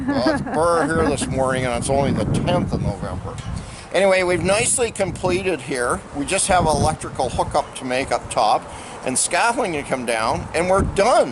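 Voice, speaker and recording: A man's fairly high voice with very wide pitch swings over noticeable background noise. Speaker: restoration contractor. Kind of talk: on-site video update. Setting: outdoors on building site. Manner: fast.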